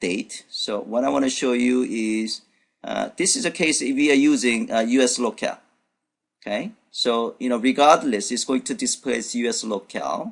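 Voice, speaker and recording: Against a quiet background, a man with a Korean accent speaks at a moderate pace. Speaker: programming instructor. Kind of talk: live coding tutorial. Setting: webinar screen share. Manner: halting, many fillers.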